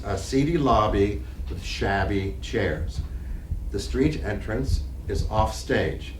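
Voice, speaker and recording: A man reading stage directions aloud as narrator at a live play reading, in a measured, literary way. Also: mid-range voice. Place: library reading room. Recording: echoey room, distant mic, faint noise.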